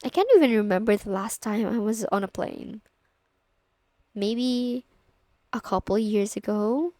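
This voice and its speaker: Casting: actress as a friend's bossy older sister, young, teasing and coy, unhurried delivery, close dry sound for ASMR roleplay. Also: female voice, mid-range voice, dark tone, no echo, lightly acted. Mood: weary, grumbling. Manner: casual, teasing, coy, lightly exasperated. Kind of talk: intimate ASMR audio roleplay.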